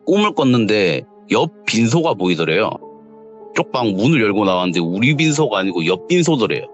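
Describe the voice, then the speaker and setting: A young man, casually telling a true ghost story in a quietly dramatic, conversational way. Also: lowish voice, big pitch swings, fairly quick. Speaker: guest storyteller. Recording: lo-fi audio with faint music.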